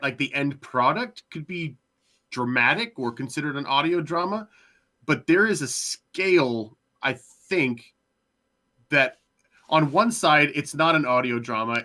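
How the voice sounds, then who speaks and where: A man with a bright, forward voice of middling pitch talks casually as a podcast panelist. He circles his point, hedging and repeating words as he goes. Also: normal speed. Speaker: panelist on a podcast discussion show.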